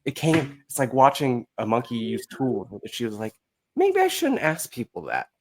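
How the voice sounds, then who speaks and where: A man's voice: medium pitch, huge pitch swings, normal speed, slight background noise. A man speaking as a podcast guest, telling anecdotes in a candid, casual way with a blunt, self-mocking manner and acting out quoted remarks.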